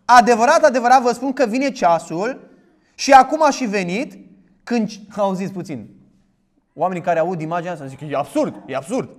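A man with a high-pitched voice preaches a sermon. He is emphatic, fires off rhetorical questions and reads scripture out loudly. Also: lively intonation.

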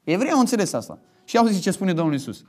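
A man preaching a sermon, emphatic and forceful, often checking in with his listeners through quick rhetorical questions. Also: sits high, big pitch swings.

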